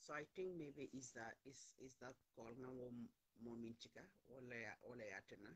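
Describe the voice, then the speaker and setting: A woman's voice: very deep voice, moderate pace, slightly rough. A woman in her forties hosting a phone live stream, talking heatedly and repeating lines for emphasis. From Gambia. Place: indoors, small room, plain wall. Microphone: phone at arm's length.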